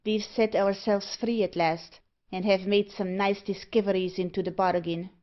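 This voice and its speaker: A woman voicing a gruff, hearty working-class tinker, a man in a story. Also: lowish voice, flat delivery, measured pace, natural voice. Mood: gruff surprise. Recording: dull, lo-fi audio.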